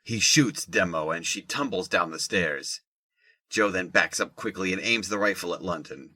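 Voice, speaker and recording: Low-voiced man narrating a drama. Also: normal speed, sharp tone, no room sound. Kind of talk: scripted audio drama narration.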